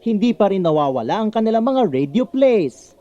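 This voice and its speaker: A man's voice: high-pitched, sing-song, moderate pace, dark tone, dull audio. A man with a Filipino accent reading scripted narration as a TV news reporter.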